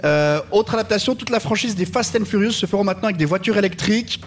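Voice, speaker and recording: High-voiced deadpan comedy panelist man. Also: fast. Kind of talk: comic storytelling.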